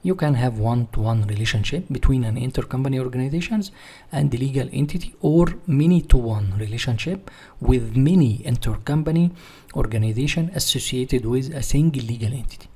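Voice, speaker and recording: A man with a mellow, somewhat husky voice walks through software setup as an instructor. He is a non-native English speaker with a didactic manner, often asking a question and then answering it himself. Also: mid-range voice, lively intonation, a little fast. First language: not English. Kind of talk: screen-share software walkthrough, part read from notes.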